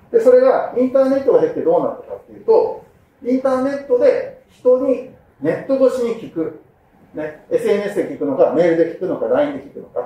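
A man at a fairly quick pace, with big swings in loudness and audible room echo. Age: 50s. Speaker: seminar speaker. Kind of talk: lecture. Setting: stage with audience.

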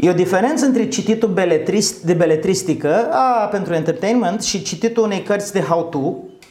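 Noticeable background noise fills the recording. The room echo is audible, and the pitch varies in an ordinary way. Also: man. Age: 40s. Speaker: podcast host, time management trainer. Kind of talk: casual discussion.

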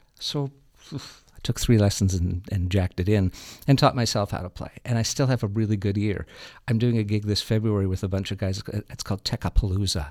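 In a plain, everyday voice, a man with a Canadian accent speaks fairly quickly at a fairly low pitch with ordinary pitch variation. The recording is very clean, with a silent background. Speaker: musicologist and music biographer. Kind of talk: casual interview chat.

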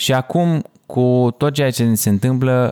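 A dark, mellow tone in a very clean recording with a silent background. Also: man. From Moldavia region, Romania. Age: 20s. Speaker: podcast host. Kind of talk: casual monologue.

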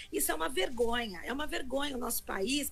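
Against audible room echo, a woman speaks at a fairly quick pace with a high pitch and lively intonation. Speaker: lawyer. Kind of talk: radio panel discussion.

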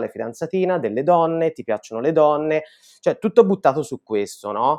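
A man with a plain, everyday voice talks at a fairly high pitch and moderate pace. His intonation is lively against a quiet background. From Tuscany, near Florence. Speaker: podcast host. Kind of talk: casual chat.

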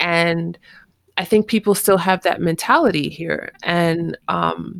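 A woman with a New York accent and a fairly low pitch, dry and close with no echo, on a very clean recording with a silent background. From New York City, the Bronx. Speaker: podcast host. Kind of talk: casual interview.

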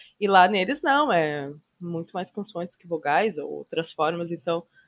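Her pitch fairly low for a woman, she talks at a fairly slow pace with ordinary pitch variation. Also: big swings in loudness. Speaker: Portuguese language teacher. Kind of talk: casual chat. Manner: animated.

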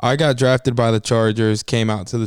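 On a very clean recording with a silent background, a man with an ordinary speaking voice and an American accent talks at a medium pitch and moderate pace with fairly even intonation. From Georgia, US South. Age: 20s. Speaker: podcast co-host, pro football player. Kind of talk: casual chat.

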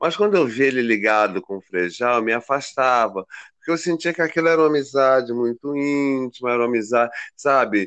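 This man has an ordinary speaking voice with a medium pitch and a moderate pace. The sound is dry and close, with no echo. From Rio de Janeiro, Brazil (Ilha do Governador). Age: 60s. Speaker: actor and poet. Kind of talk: interview storytelling.

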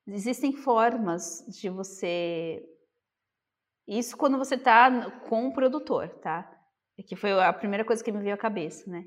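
Speaking at a fairly slow pace, a woman with a São Paulo accent has a fairly high pitch. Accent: São Paulo Brazilian Portuguese. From Brazil, São Paulo city. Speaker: wine consultant and tour guide. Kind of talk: casual interview.

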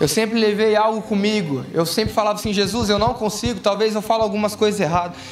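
A man's high-pitched, animated voice at a very fast pace, very even in loudness, with audible room echo and noticeable background noise. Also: hardly any pauses. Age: 20s. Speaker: pastor. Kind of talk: sermon. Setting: church.

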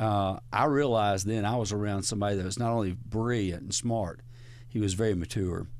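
With a Southern US accent, a man speaks at a moderate pace, his medium pitch varying in an ordinary way. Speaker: pastor and radio co-host. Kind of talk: radio call-in show. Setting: studio.

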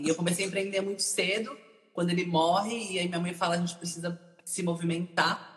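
Her pitch fairly low, a woman talks over noticeable background noise. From São Paulo, raised by northeastern family. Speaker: entrepreneur, community builder. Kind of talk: casual interview chat on a livestream.

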